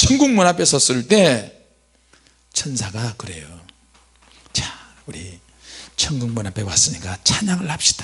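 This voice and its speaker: At a fairly slow pace, a man talks in an animated tone with very wide pitch swings and long, frequent pauses. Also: big swings in loudness. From South Korea. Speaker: pastor. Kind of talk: sermon. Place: church. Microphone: handheld.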